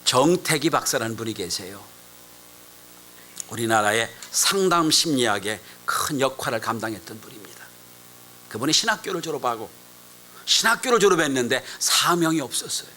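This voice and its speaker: A man delivers a sermon as a pastor, in a bright, forceful voice. He tells a story with dramatic swings, rising suddenly loud for emphasis and dropping to hushed asides. A faint hiss and hum sit beneath the recording. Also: medium pitch, lively intonation, normal speed, poor audio.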